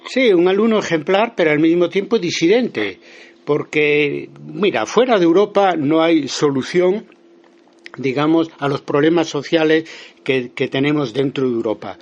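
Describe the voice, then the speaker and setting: A man with an accent from Spain giving spontaneous political commentary in an interview, haltingly, often repeating words and restarting. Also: on the high side, dull audio. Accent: Spanish from Spain. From Galicia, Spain.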